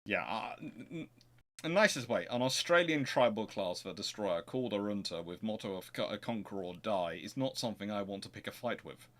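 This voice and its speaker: A man's voice: fairly low pitch, lively intonation, normal speed, a bit bright. A man hosting a naval history show, speaking informally as he answers questions and reads aloud, often correcting himself. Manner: hesitant, thinking aloud, self-correcting.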